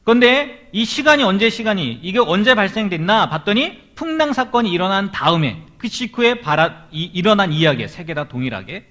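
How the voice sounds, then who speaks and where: A man's voice: high-pitched, big pitch swings, brisk, few pauses, fairly bright tone. A male pastor preaching to a young adult congregation in church, and he often puts questions to his listeners. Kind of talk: sermon. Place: church hall.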